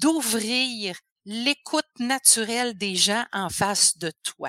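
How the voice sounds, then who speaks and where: In a Quebec accent, a woman speaks with a fairly high pitch, a bright, sharp tone and lively intonation. The recording is very clean, with a silent background and a dry, close sound with no echo. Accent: Québécois French. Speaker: voice coach. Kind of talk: interview.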